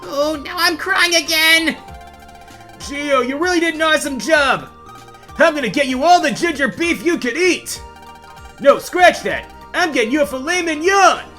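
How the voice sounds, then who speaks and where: A woman voicing an excitable, big-hearted young friend in a game story, with a gushing, emotional, high-energy delivery. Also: moderate pace, soft background music. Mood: tearful relief.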